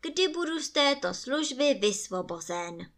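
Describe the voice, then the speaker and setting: A woman voicing a fearsome giant guard in a storybook reading, booming and shouting. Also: big pitch swings, full character voice. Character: fearsome huge male giant guard, gruff.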